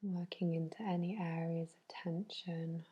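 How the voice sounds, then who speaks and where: A woman whispers a bedtime ASMR massage in a soft, dark, breathy voice. She speaks very slowly and soothingly, keeping her delivery even and hushed as she guides each step. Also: lowish voice, lo-fi sound. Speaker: facial massage therapist.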